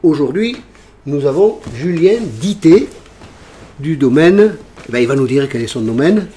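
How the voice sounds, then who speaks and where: An older man hosting an interview, with a somewhat raised pitch. He is jovial and teasing and keeps steering the conversation. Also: expressive, a little slow, mellow. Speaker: host. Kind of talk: radio-style interview hosting.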